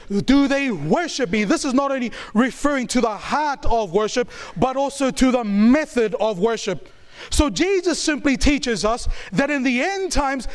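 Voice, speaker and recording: A preacher from New Zealand with a strikingly high voice delivers a sermon. He stresses his points through repetition and keeps pulling the congregation in with questions for them to answer. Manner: call-and-response, asking the congregation to answer; emphatic, repeats key phrases.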